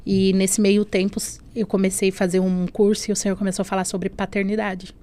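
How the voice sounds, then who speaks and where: A Brazilian woman, a podcast guest, shares her personal faith testimony with earnest emotion, sprinkling in "né?" and "assim" often. Her medium-pitched voice is warm but flat in delivery, and she speaks a little fast.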